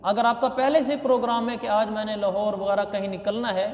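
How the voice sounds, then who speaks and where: A man's voice: high-pitched, flat delivery, fairly quick, a little mellow, a little hiss or hum. A man from Pakistan, giving a religious lesson as a mufti and explaining step by step, repeating key phrases. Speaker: mufti teaching Islamic law. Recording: echoey hall with long reverb.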